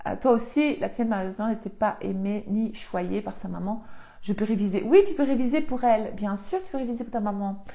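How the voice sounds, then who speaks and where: A woman's voice: mid-range voice, fairly quick, vocal fry, mellow. A woman, chatting on a live stream from her home office and answering viewer comments as a spiritual coach. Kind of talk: casual live-stream chat.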